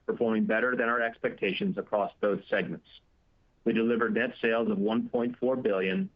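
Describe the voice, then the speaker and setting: A man in a finance chief's role giving a prepared report of financial results, reading figures formally and steadily. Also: fairly low pitch. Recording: dull, band-limited conference call audio.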